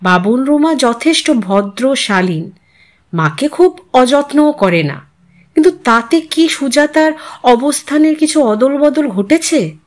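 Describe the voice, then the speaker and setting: High-voiced woman narrating a story. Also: lively intonation, takes it slowly. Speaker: audio story narrator and channel host. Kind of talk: expressive scripted narration of a literary short story.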